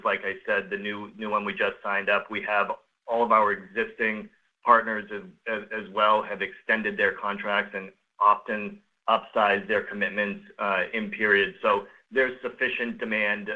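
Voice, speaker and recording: Even, low-voiced man on a phone line. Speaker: company finance executive. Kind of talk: answering questions on an earnings call. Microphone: conference call line. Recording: narrow, muffled phone-line conference call.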